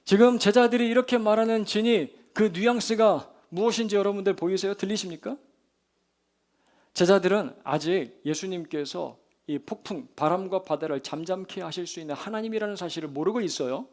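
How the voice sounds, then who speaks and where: A man's voice: high-pitched, darkish tone. A male pastor preaching a sermon with animation, often putting questions to his listeners and acting out the lines he quotes.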